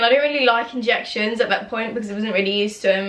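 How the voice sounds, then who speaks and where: Over noticeable background noise, a woman with an English accent talks at a fairly high pitch with ordinary pitch variation. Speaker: vlogger. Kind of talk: storytime vlog. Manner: casual, filler-heavy.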